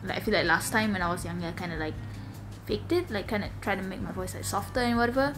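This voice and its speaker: Young woman vlogging from home, bit raspy lowish voice, rambly n chatty, faint music under. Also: fast talker. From Malaysia. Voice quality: slightly raspy, low for a woman. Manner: rambling, chatty, many fillers and laughs. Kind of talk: casual sit-down vlog chat. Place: home room.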